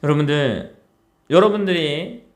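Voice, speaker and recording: A man's voice: a little high, measured pace. A man preaching a sermon as pastor, emphatic, repeating key words and tossing rhetorical questions to the congregation.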